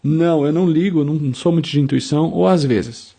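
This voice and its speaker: Gravelly-voiced man. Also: on the high side, a little fast, warm tone. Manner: reads quiz items, then acts out sample answers in first person. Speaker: motivational speaker. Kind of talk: self-help quiz talk.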